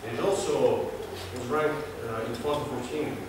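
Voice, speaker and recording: A man's voice: mid-range voice, steady tone, normal speed. A young man from Kazakhstan giving a prepared speech to a club audience in a small meeting room, earnest and hesitant with many fillers. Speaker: club speaker. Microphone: far camera, no mic. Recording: echoey room from far off, noisy.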